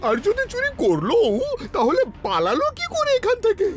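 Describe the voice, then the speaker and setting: Very high, flustered cartoon character. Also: female voice, huge pitch swings, normal speed, exaggerated voice. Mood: shocked, baffled. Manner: melodramatic, exclaiming. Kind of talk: children's cartoon acting. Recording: music behind the voice.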